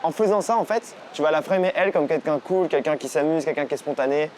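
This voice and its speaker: Fast-talking man coaching outdoors. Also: a little high, a little hiss or hum. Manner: energetic, casual slangy talk. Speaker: dating coach.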